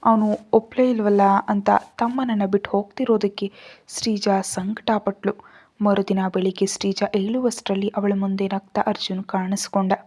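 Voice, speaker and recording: A woman reads a serialized family drama aloud in a measured, even storytelling manner. Her voice is mellow and darkish, never sharp. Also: medium pitch, slightly rough. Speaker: narrator.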